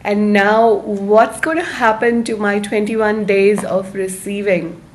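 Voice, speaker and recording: A woman hosts a live self-help session for online viewers. She speaks slowly and deliberately in a medium-pitched voice, halting between short phrases and leaning on certain words. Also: a little hiss or hum. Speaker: host of a live-streamed self-help series.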